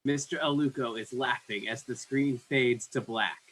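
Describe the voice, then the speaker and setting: A man narrating scripted stage directions in a husky voice. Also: medium pitch, normal speed, fairly bright tone.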